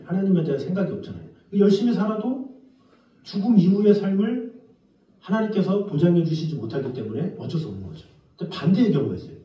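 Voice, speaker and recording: A man preaching a Sunday afternoon sermon as pastor, talking in a lively, conversational way and acting out quoted voices. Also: on the high side, muffled recording. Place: church sanctuary. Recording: echoey church hall, distant mic.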